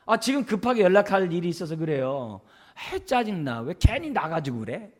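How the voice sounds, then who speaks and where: A man's voice: sits high, sing-song, brisk. A man voicing a sulky young child who does not want to go to school. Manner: whiny, sulky.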